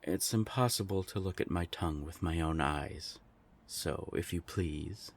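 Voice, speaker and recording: Guy doing a smug nonbinary vampire council envoy, really low gravelly voice, sardonic and taunting, audio drama. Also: unhurried, a little hiss or hum. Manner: sardonic, taunting, formal phrasing. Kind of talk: scripted audio drama acting.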